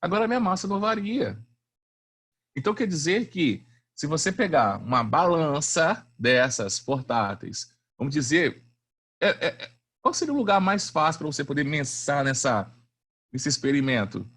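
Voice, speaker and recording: A man's voice: a little high, very animated, moderate pace, fairly bright tone, breathy edge. A man teaching a physics class online in a chatty, slangy way, often asking the students questions.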